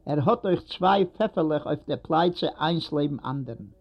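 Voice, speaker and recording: A man voicing a shy, tender young woman who answers softly and hesitantly. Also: fairly high pitch, expressive, normal speed, gravelly. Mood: firm. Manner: soft, hesitant replies. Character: young woman, shy and tender, meeting her long-lost husband. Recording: dull lo-fi recording.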